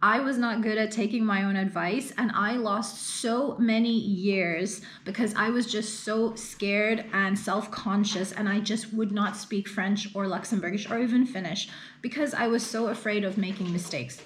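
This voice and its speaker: A woman's voice: medium pitch, fairly even intonation, normal speed, a little hiss or hum. A woman who grew up in the United Arab Emirates, chatting earnestly in a casual question-and-answer vlog. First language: English. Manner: earnest and chatty, with fillers and repeated phrases. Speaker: content creator.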